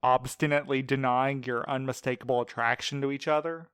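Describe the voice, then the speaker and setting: A man's voice: medium pitch, steady tone, brisk, fairly bright tone, clear, resonant tone, no room sound, studio quality, lightly acted. A man playing a teasing but supportive friend and coworker in a fiction podcast, with wordy, sarcastic quips. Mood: teasing, friendly. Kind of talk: fiction podcast audio drama acting.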